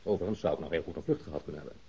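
Defiant suspect, very husky dark voice. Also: male voice, extremely low pitch, racing, full character voice. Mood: irritated. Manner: scoffing, irritated, evasive. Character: defiant, indignant male airline worker held as suspect. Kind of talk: Dutch radio play acting. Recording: dull lo-fi radio drama recording.

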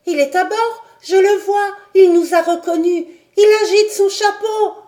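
Woman doing a shrill excited young boy. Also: unhurried, roomy sound. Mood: excited shouting.

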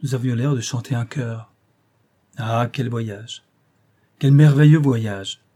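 A man's voice: medium pitch, slow pace, warm tone. A man narrating a classic adventure novel as an audiobook, reading expressively and lifting his voice for quoted dialogue.

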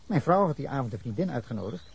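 Heavily acted, the voice is mid-range with big pitch swings, fast delivery, creakiness, and a slightly rough yet somewhat mellow tone. The actor, in a Dutch radio drama, plays a defensive middle-aged man rambling indignantly to police about a drunken fight, with bursts of anger.

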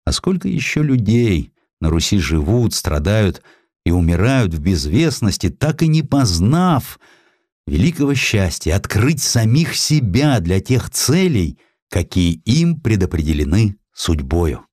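A man's voice: on the low side, sing-song, a little slow, darkish tone, dry recording, clean studio sound. A man voicing an aging, stubborn Russian scholar in dramatised audiobook dialogue, with an emphatic, declamatory manner. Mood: reflective.

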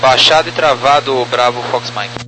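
A man's voice: mid-range voice, moderate pace, sharp tone, slight background noise, rough recording. A Brazilian man, a pilot, giving brief procedural reports and readbacks over aviation radio.

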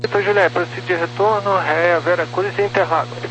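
A man, an air traffic controller, giving brisk clipped instructions heard over a two-way aviation radio. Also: high voice, fairly even intonation, fairly bright tone, dull audio. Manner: terse, brisk radio calls.

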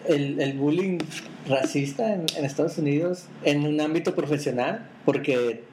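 A man hosts a casual podcast, often pausing and restarting as he hunts for the right word. His voice sits slightly high, with a faint hiss in the background. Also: a little mellow, low-quality recording. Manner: hesitant, searching for words, wraps up segments. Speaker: podcast host. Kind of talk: casual chat.

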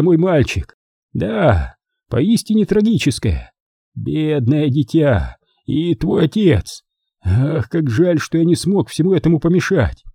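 A man's voice: fairly low pitch, mellow, breathy edge, no echo, studio quality, exaggerated voice. A man voicing a theatrical, despairing middle-aged uncle who wails and exclaims in an audiobook. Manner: melodramatic, wailing and exclaiming. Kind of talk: audiobook character reading.

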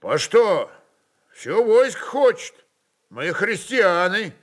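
A man voicing a bold, insolent Cossack envoy who declaims deliberately in an audio story. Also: high voice, big pitch swings, voice pushed up, exaggerated voice. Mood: bold demanding.

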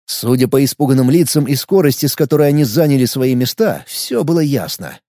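A man narrating a first-person audiobook in a lively reading manner. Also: mid-range voice, brisk, no room sound, clean studio sound. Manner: lively reading, shouting out dialogue lines.

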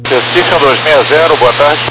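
A man's voice: fairly high pitch, moderate pace. Heavy radio noise and hum surround a man making pilot calls to air traffic control. He speaks in terse, procedural phrases, reading back numbers and instructions over the aviation radio. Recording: very noisy, humming cockpit radio transmission. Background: loud hum and radio noise.

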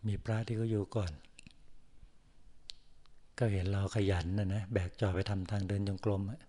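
A man's low, mellow voice delivers a dharma talk at a forest monastery. He keeps an even, level tone throughout. He speaks in slow, measured phrases with many pauses. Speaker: Buddhist monk giving a dharma talk. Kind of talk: sermon.

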